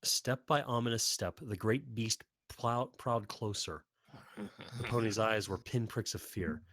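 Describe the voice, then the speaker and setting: Low-voiced man narrating a story. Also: unhurried, fairly bright tone, no room sound. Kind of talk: scripted dramatic story narration.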